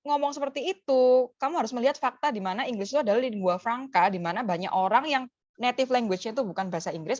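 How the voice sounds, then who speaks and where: A woman's voice: fairly high pitch, no echo, dull audio. A woman speaking on a webinar, explaining casually and mixing in English phrases. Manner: casual, mixes in English phrases, gives examples.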